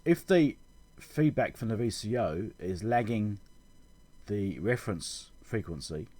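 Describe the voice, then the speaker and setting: A man giving an informal technical explanation as a channel host, halting and correcting himself as he thinks aloud. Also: fairly low pitch, lively intonation, dark tone, slightly rough. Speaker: electronics repair channel host.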